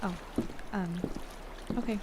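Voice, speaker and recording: A woman playing an earnest, hesitant young woman who is a gentle, loyal friend in an audio drama. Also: medium pitch, slow, heavy background noise, close to an everyday voice. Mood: anxious, downcast.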